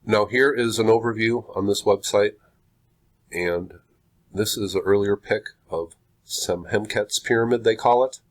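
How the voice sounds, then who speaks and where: A man with a slightly low voice, sounding stuffed up and congested. He talks in a casual, unhurried way, breaking his sentences with pauses as he thinks. Now and then he reads aloud in the same easygoing tone. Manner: slow, halting, with frequent pauses. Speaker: video host. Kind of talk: casual commentary, reading aloud from a website.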